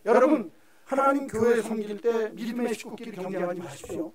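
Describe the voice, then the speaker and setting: Pastor, male, high voice, emphatic sermon, heavy church echo from a distant mic. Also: fairly quick. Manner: emphatic, repeats phrases, calls out to the congregation. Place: church sanctuary. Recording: echoey hall from far off.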